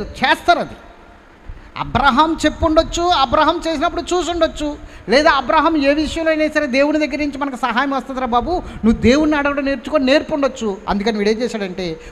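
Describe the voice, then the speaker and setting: Male pastor, high voice, emphatic sermon delivery, long hall reverb. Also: fairly bright tone. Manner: emphatic, urging the congregation to respond. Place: church hall. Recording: reverberant hall, faint background noise.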